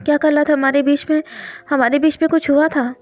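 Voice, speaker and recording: A woman's voice: on the high side, steady tone, slow pace, a little mellow, faint music behind. A woman voicing a flustered, frightened young man who stammers and repeats his words, reading a storybook scene. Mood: panicked.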